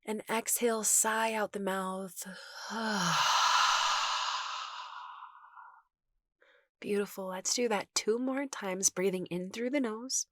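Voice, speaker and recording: A woman meditation teacher giving guided meditation instruction in a gentle, reassuring, unhurried manner. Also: mid-range voice, steady tone, no echo, studio quality.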